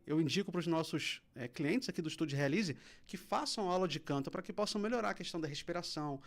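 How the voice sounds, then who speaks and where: A man hosting a finance podcast in a studio, reading sponsor spots and opening an interview with energy. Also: sits high. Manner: fast, enthusiastic, loud welcome. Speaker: podcast host.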